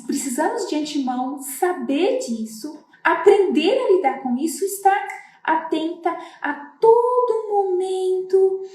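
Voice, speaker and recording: High-voiced woman in an echoey room. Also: dark tone. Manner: earnest, explanatory, with many "né?" tags. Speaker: floral therapist. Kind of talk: casual talk to parents.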